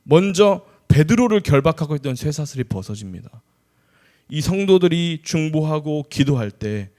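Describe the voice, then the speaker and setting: A man's voice: fairly high pitch, a little mellow. Middle-aged guy preaching, chatty sermon, cracks little jokes between points. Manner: conversational preaching with humorous asides. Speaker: associate pastor.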